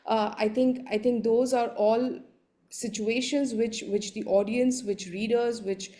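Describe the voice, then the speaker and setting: A woman with an Indian accent, a native Hindi speaker, giving an explanatory conference presentation in a halting way, often repeating words. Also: on the high side, fairly even intonation, mellow. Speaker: panelist giving a slide presentation.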